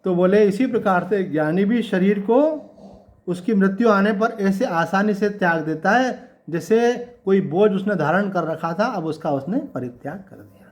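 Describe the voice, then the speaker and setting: A man giving a conversational devotional sermon, asking his listeners rhetorical questions and reciting couplets slowly. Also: high voice. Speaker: swami giving a Gita discourse.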